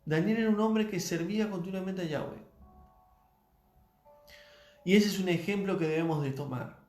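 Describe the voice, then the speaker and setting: A man preaching a sermon in a measured, emphatic way, repeating key phrases for weight. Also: high-pitched, a little mellow, reverberant, faint music behind.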